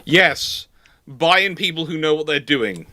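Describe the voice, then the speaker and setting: A man's voice: on the high side, expressive, measured pace, bright, forceful tone. A man hosting a casual live question session, explaining things in an emphatic, rambling, chatty way. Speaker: livestream host answering questions.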